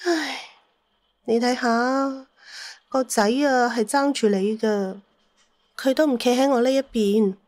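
A woman's voice: on the high side, slow pace, pauses often, darkish tone, no room sound, clean studio sound. A woman playing a strong-willed, bossy elderly mother who scolds and needles in an audio drama. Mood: mock aggrieved. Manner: scolding, needling, mock-aggrieved.

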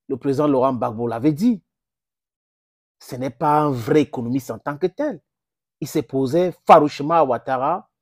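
A middle-aged man whose first language is English, giving impassioned direct-to-camera political commentary on a lapel mic, with sudden jumps in pitch for emphasis. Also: a little mellow, dry recording, studio quality. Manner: impassioned, gesturing, addresses viewers as friends, pitch jumps for emphasis. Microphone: clip-on lapel mic.

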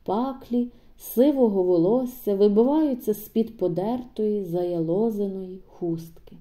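A woman with a mellow, mid-range voice narrates a literary audiobook. Her storytelling is measured and expressive.

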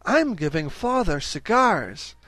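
A man's voice: sits high, sing-song, takes it slowly, a bit bright, no echo, full character voice. A man doing a prim, solemn young boy. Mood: earnest. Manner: earnest, grown-up airs. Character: prim twelve-year-old boy, solemn.

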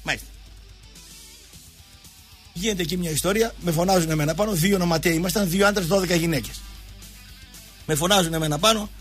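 Guy with a high voice spinning stories on a sports show, faint music behind. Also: long pauses. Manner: animated, acts out dialogue in quotes. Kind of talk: casual anecdotal storytelling.

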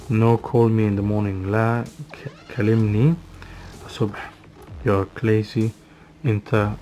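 Low-voiced young man practising phrases aloud. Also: darkish tone. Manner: halting, repeats and self-corrects while practising phrases. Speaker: language learner vlogger. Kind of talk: casual self-study vlog. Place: small room with curtain backdrop.

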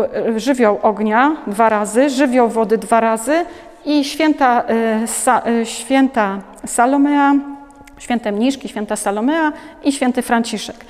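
A woman's voice: a little high, a little mellow, long reverb tail. A woman in her forties, a museum curator, giving an unscripted gallery talk with frequent hesitations and restarts, recorded on a lapel mic. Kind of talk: gallery talk about artworks. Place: large museum gallery, indoors.

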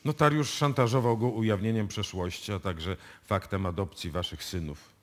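An actor playing a confident police detective who deliberately lays out a case in a radio play. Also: male voice, fairly low pitch, slight background noise, natural voice. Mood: matter-of-fact. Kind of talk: live radio drama acting in Polish. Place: radio music studio, performed live before an audience.

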